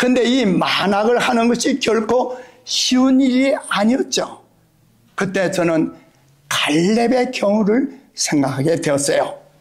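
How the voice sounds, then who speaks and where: A man speaks very slowly at an extremely high pitch, with lively intonation and very even loudness. Noticeable background noise and audible room echo fill the recording. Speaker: retired pastor and college president. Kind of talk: sermon.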